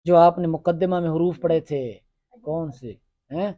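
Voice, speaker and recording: A man teaching grammar fires rapid questions at the class and makes the students say forms back to him. He sounds steady and warm with a slightly high pitch, recorded close and dry with no echo, though the highs are cut off.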